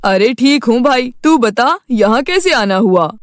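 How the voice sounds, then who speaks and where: A man's voice: very high voice, animated, measured pace, no echo, studio quality. A man voicing plain-spoken village men in a cartoon, colloquial and emphatic. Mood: matter-of-fact. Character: village father and matchmaker friend, plain-spoken.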